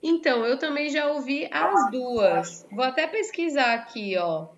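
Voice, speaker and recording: With a high-pitched, unhurried voice and background noise around her, a teacher with a Brazilian Portuguese accent explains a lesson to an online class. She keeps things lively and questions her students frequently.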